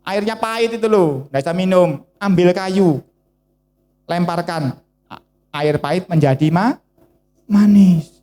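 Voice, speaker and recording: A preacher tells stories in an animated sermon. The voice sounds mellow and warm, mid-pitched, and the preacher slips easily into everyday local words. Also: measured pace, pauses often, soft background music.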